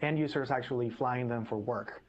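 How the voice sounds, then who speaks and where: A man's voice: mid-range voice, moderate pace. A man guest on a live panel, speaking hesitantly and restarting his sentences. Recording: lo-fi remote call with faint noise.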